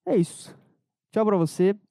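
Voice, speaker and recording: A hungover man with a southern Brazilian accent hosts a casual solo podcast, sounding dispirited and bunged up with a cold. His voice sits a bit high for a man and is slightly mellow, in a very dry, close sound. He rambles irreverently in a low-energy way. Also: lively intonation, unhurried, gravelly, dry recording. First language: Portuguese. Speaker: podcast host and amateur comedian.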